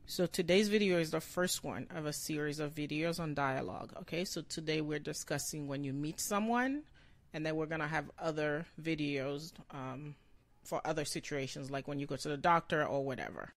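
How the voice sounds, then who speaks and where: Low-voiced woman teaching a language. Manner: explains slowly, repeats phrases in two languages. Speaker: Haitian Creole teacher. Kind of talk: bilingual language lesson.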